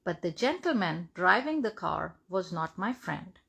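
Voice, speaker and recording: A woman reads a devotional testimony aloud in measured, deliberate phrases. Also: on the low side, sing-song, vocal fry, a bit bright, husky. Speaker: devotional reader.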